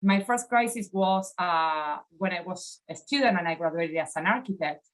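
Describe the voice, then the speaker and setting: Woman, argentine accent, forties, low-ish voice, design lecture, reflective, webcam. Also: expressive, moderate pace. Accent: Argentine Spanish. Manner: reflective, often adds "right?". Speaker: design educator. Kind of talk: conference lecture over slides. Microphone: webcam on video call.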